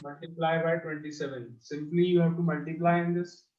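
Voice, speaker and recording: A man's voice: a little high, level tone, fairly quick, darkish tone. A male maths teacher with a South Asian accent leading an online class, prodding pupils and repeating his instructions. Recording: dull lo-fi online call audio.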